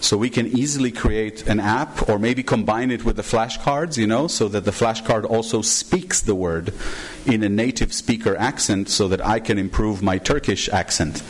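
Middle-aged guy lecturing at a conference podium, lowish voice, excited and chatty. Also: normal speed, husky. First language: Hebrew. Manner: enthusiastic, conversational, asks the audience "right?". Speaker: conference trainer. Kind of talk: conference presentation. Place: large conference hall, at a podium before a projection screen.

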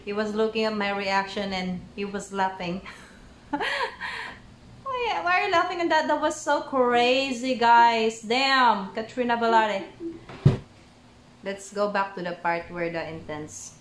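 A woman's voice: on the high side, lively intonation, measured pace, slight background noise. A young woman hosting a reaction video at home, exclaiming and laughing often as she comments. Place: small room at home, indoors. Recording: roomy echoey home room.

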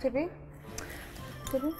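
A woman's voice: slow, warm tone, soft background music, natural voice. A woman in her thirties, an actress in a TV cooking studio, needling a guest with pushy mock concern. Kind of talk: provoking prank banter.

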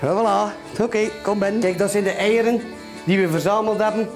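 Guiding a tour around farm sheds and outdoor pens, a middle-aged ostrich farmer with a Flemish accent speaks briskly in a high voice, with music underneath. His explanations are chatty and full of little filler tags like "hè" and "voilà."

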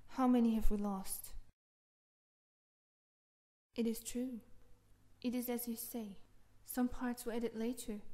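An earnest young female soldier of a fantasy game, played by a woman. She speaks in a lightly high voice at a slow, measured pace with theatrical weight. Studio reverb gives it a hall-like ring. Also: dark tone. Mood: stern, questioning. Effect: studio hall reverb effect. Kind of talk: fan voice audition for fantasy game characters.

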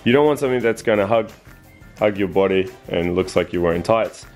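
A relaxed man in his thirties reviews clothes in a chatty, easygoing way, trailing into ums and uhs. His voice sits on the low side, and the living room around him rings with echo. Faint music plays under him. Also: brisk. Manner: chatty, relaxed, many fillers. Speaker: vlogger. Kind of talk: casual product review. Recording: echoey room.

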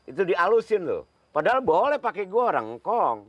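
A man's voice: high voice, very animated, fairly quick, a bit bright, lo-fi sound. A man with a Betawi accent, a culture expert, patiently explaining usage with folksy examples in a casual talk-show chat.

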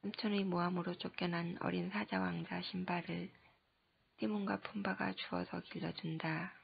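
A woman narrating an audiobook in a soft, half-whispered reading voice, on a dull lo-fi recording. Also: lowish voice, fairly even intonation, moderate pace, gravelly, slight background noise.

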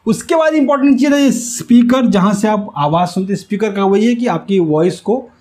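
Fairly quick and mellow, a man's high-sitting voice leads an explanatory whiteboard tutorial. He teaches step by step in a didactic way, often checking understanding. A lapel mic picks him up in a small indoor room with a whiteboard.

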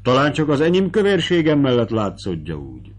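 A man's voice: mid-range voice, huge pitch swings, voice pushed up. A man voicing a fat, humble old estate steward who speaks in broken, ungrammatical phrases. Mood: humble, fretful.

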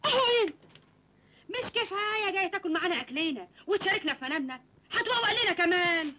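An actress playing a sharp-tongued, nagging wife scolding her husband and his nephew, with an Egyptian accent. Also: high voice, sing-song, very fast, husky, heavily acted. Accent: Egyptian Arabic.

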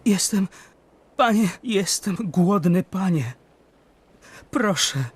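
A man playing a reckless young man in an animated Bible story, down on his luck. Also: sits high, takes it slowly, husky, full character voice. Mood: pleading. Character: reckless young man, broke, hungry and pleading.

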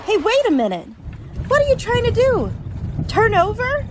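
A woman's voice: very high-pitched, wildly swooping pitch, moderate pace, noisy background, heavily acted. A woman playing a sarcastic, complaining young college student in a radio play. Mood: exasperated, complaining. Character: grumbling, wisecracking young female college student.

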